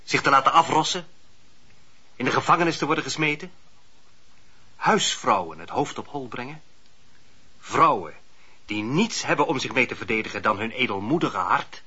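Sceptical, sharp-voiced male judge. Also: medium pitch, animated, normal speed, long pauses, breathy edge, heavily acted. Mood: indignant. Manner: formal, dry questioning. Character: sceptical, courteous male judge, probing and reproachful. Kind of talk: radio drama acting. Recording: dull, lo-fi radio play recording.

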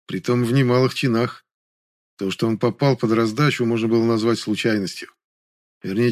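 A man narrating a first-person audiobook in a calm, even reading manner. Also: mid-range voice, no echo, studio quality.

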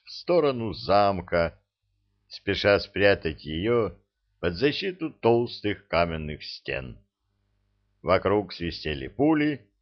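A man narrating an audiobook fantasy story in an animated, theatrical reading. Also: on the low side, muffled recording.

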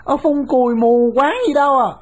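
A woman's voice: high-pitched, fairly even intonation, darkish tone. A woman voicing a bold, mouthy young boy who talks back without fear. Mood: brash. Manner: brash, mouthy, quick to talk back. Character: bold, cheeky young boy, brash and fearless.

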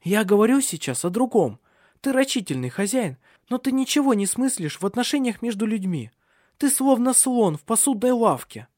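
A man reading a story aloud, voicing a soft-spoken middle-aged mother of a household. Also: high-pitched, very animated, moderate pace, dry recording, clean studio sound, voice pushed up. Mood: scolding. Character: gentle middle-aged mother, turning fierce.

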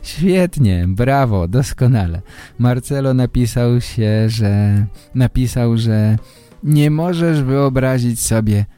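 A male podcast host presents to language learners with careful, deliberate phrasing. His voice is mellow and slow, with guitar music clearly behind it. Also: mid-range voice.

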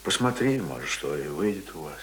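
A man's voice: a bass voice, sing-song, brisk. A man acting a talkative, coaxing village brother in a naturalistic radio play, speaking colloquially and hesitantly. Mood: coaxing, explaining. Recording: hissy old radio recording.

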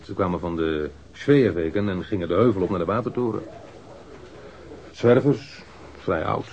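A man's voice: deep voice, normal speed, a little mellow. An actor playing an evasive street mugger in a radio drama, defensive and rambling as he answers police questions in slangy, hesitant speech. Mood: insistent, irritated. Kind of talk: naturalistic radio drama acting. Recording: dull lo-fi radio recording.

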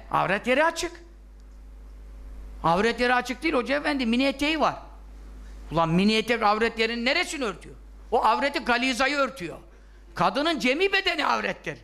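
A man with a very high, bright and forceful voice teaches a religious lesson. He scolds with emphasis and keeps firing rhetorical questions that he answers himself. He often voices the objections he expects from listeners.

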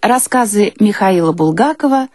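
Female radio announcer, animated intonation. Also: mid-range voice, normal speed, dry recording, clean studio sound. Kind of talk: scripted broadcast announcement.

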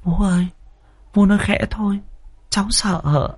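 A man's voice: sits high, a little slow, breathy edge, voice pushed up, full character voice. A man voicing a timid, mistreated young servant woman who stammers and pleads in a spoken horror story. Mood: frightened.

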